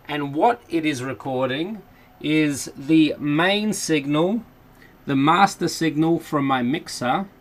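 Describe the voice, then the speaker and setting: A man presenting a casual, hands-on tutorial, explaining things informally step by step. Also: on the high side. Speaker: presenter of an audio gear tutorial. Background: electronic music beat playing.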